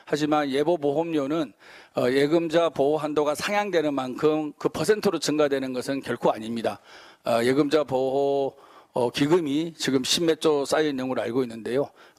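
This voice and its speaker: A fairly high-pitched man at a moderate pace, with ordinary pitch variation and a quiet background. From South Korea. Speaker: meeting chair and lawmaker; politician at party meeting. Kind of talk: formal political speech. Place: meeting room. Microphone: podium.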